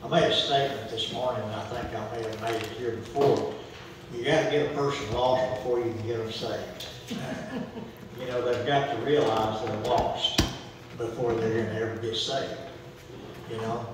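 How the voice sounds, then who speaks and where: Leading a Bible study in a church fellowship hall, a middle-aged man quotes scripture and prompts the group with questions, speaking at a normal pace in a medium-pitched voice with fairly even intonation. A far camera records him, so the sound is echoey, distant, and has background noise.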